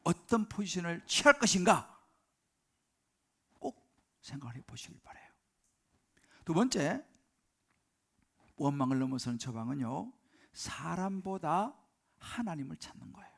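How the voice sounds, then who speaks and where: Male pastor, live sermon in a church. High voice with gravel, emphatic, keeps questioning the pews. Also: sing-song, unhurried, long pauses, fairly bright tone. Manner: emphatic, rhetorical questions to congregation. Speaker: senior pastor. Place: church sanctuary during service.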